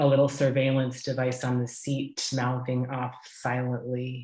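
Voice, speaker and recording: Against a quiet background with audible room echo, a man speaks in a somewhat breathy voice with monotone, flat intonation. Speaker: poet. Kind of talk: reading aloud. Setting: video call. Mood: calm, soft, grateful. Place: home room. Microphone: webcam.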